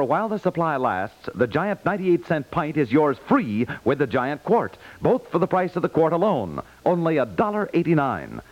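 An American man announcing in vintage 1950s radio style. His voice is on the high side, with lively, sweeping intonation and a polished sales delivery. The recording is dull and old. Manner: polished, promotional.

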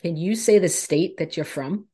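A woman from New York hosting a podcast, asking questions in a warm, encouraging and enthusiastic way. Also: on the low side, normal speed, breathy edge. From New York, USA. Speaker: podcast host. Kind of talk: casual interview conversation.

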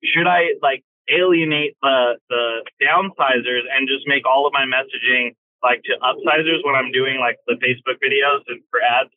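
A man who works as a real estate agent asks a question on a phone call from his car while driving, talking haltingly with many fillers. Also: mid-range voice, fairly even intonation, no echo. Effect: phone call from a moving car. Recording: tinny phone line, dry.

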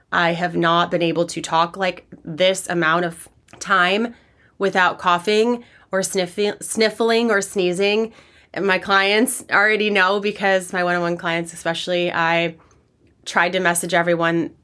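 A woman hosting her fitness podcast, speaking casually and candidly through a hoarse, raspy voice from being sick, rambling with fillers. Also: lowish voice, fairly bright tone. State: hoarse from illness. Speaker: podcast host and personal trainer. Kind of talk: casual solo podcast talk.

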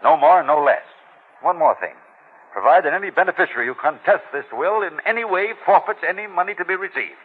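A man's voice: high voice, expressive, fairly quick, slightly rough. An actor playing a stubborn, insistent elderly wealthy man, blunt and commanding, heard as an old radio broadcast recording. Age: older. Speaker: wealthy client. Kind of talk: 1940s radio acting. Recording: thin, narrow-band old radio recording.

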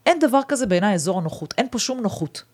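A woman hosting a casual podcast interview, talking emphatically and expressively, with her pitch jumping when she makes a point. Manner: emphatic, expressive, pushes opinions with big pitch jumps. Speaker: podcast host.

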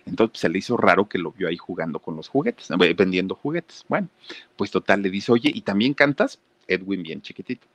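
A man with a Mexican accent telling a celebrity story on a studio set, lively and talking straight to the audience. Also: deep voice, brisk, dry recording. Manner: lively, addresses audience directly. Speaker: host. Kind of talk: gossip storytelling.

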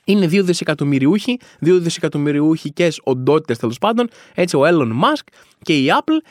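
A man hosts a comedic podcast with a notably high-pitched voice. He rambles through exaggerated, self-mocking rants, with colloquial asides and frequent restarts. The sound is dry and close, with no room around it. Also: big pitch swings, a little mellow, no room sound. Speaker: podcast host.

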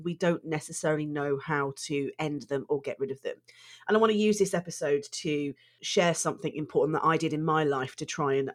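A middle-aged woman psychotherapist hosting her own podcast, her voice congested and stuffy from allergies, talking earnestly and doubling words for emphasis. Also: low voice. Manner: earnest, emphatic word repeats. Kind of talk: solo podcast monologue.

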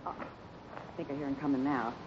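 A woman's voice: extremely low pitch, fairly even intonation, moderate pace. An actress playing a scheming female swindler, theatrical and bossy, with an American accent, in 1950s radio style. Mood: scheming, impatient. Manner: theatrical, gushing, sharply commanding. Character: scheming female swindler, gushing sweetheart act, bossy underneath. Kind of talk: 1950s radio adventure acting. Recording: noisy, dull 1950s radio recording.

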